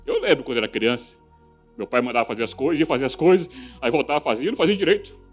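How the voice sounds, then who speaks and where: A man with a Brazilian Portuguese accent preaching a live church sermon, moving from loud, fervent exhortation to hushed, earnest passages. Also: mid-range voice, expressive, fast, faint music behind. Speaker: pastor. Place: church service.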